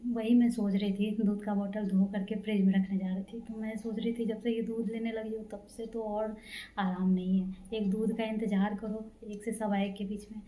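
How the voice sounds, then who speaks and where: एक युवा माँ घर पर फ़ोन कैमरे के सामने खुलकर, इधर-उधर की बातें करती हुई, बीच-बीच में भराव शब्दों के साथ।. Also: female voice, medium pitch, mellow. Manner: chatty, loose and rambling, with many fillers. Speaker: vlogger, mother of two. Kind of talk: casual vlog chat. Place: at home.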